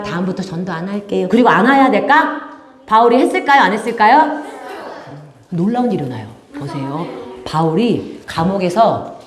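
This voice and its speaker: A woman's voice: sits high, roomy sound. A woman teaching children in a church service, telling a story with lots of questions to the kids. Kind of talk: children's sermon. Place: church room.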